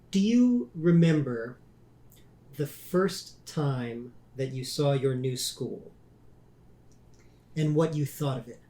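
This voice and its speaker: A man with a fairly high pitch and a dark, mellow, somewhat breathy tone talks at a very slow pace, his lively intonation broken by long, frequent pauses and big swings in loudness. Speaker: library director. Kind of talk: interviewer questions.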